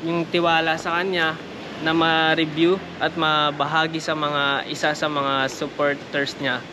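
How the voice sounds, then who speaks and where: A Filipino man with a fairly high voice speaks casually as a guest. He is polite and deferential in how he replies. There is clear ambient noise in the recording. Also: little pitch movement, measured pace. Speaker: giveaway winner and guest. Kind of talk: casual chat. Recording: noisy recording with vehicle ambience.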